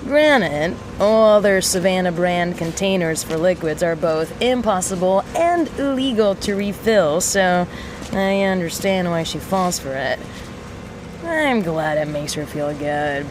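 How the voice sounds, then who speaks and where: A woman playing a sardonic mechanic in a sci-fi audio drama, rambling to a listener with mock-solemn, theatrical pauses. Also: medium pitch, noisy background, lightly acted. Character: sardonic, rambling young female mechanic in an underground resistance.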